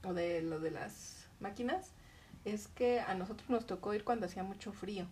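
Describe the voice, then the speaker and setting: A plain, everyday voice, moderate in pace, ordinary in pitch variation. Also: woman. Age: 30s. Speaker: podcast co-host. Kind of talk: casual chat.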